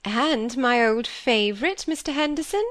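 A woman's voice: on the high side, animated, normal speed, dry recording, voice pushed up, natural voice. A woman voicing a fussy, self-pitying middle-aged stepmother who complains and talks over others, with a dry, close sound. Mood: fussing.

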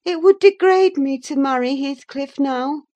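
Woman reader playing headstrong young heroine, passionate, impassioned delivery, high voice, warm dark tone. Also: unhurried, lo-fi sound. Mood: wistful. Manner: fervent, impassioned declaiming.

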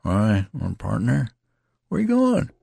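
A man's voice: fairly low pitch, big pitch swings, unhurried, creaky, warm tone, husky, no echo, studio quality, voice pushed up, full character voice. A man voicing a dazed, wounded male soldier who rambles in a slurred, folksy country dialect. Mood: hurt. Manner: pleading, repetitive, plaintive.

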